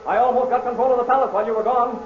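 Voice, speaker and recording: A man's voice: extremely high pitch, fairly even intonation, rapid-fire, phone-quality sound. An actor playing a loyal, proud hawkman captain and rebel fighter in a 1930s radio serial, earnest and declamatory. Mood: relieved, earnest. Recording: thin, echoey, noisy 1930s radio recording.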